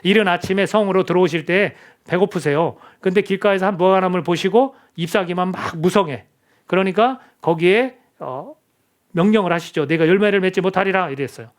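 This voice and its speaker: A middle-aged male pastor delivers a sermon in a church in a fairly high voice. He talks earnestly and conversationally and keeps turning to the congregation with questions. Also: a little fast. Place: church sanctuary.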